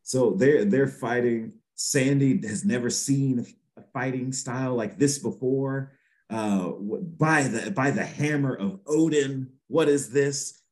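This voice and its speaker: A man's voice: mid-range voice, takes it slowly, a little mellow. A man hosting a podcast, recapping a cartoon episode in rambling casual chat with frequent restarts. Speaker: podcast host.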